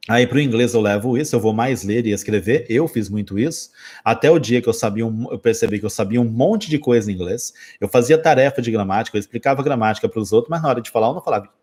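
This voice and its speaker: A male English teacher from Brazil with a Brazilian Portuguese accent, chatting through a lesson in a loose, lively way. He keeps a medium pitch, moves fast through quick asides and jokes, and often stops to correct himself mid-sentence. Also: breathy edge. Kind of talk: casual spoken lesson.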